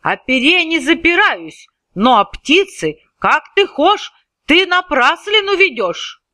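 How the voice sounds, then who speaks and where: A woman's voice: fairly high pitch, big pitch swings, measured pace, pushed and bright, no echo, clean studio sound, heavily acted. A woman voicing a frightened young peasant lad in a storybook verse reading, pleading and protesting.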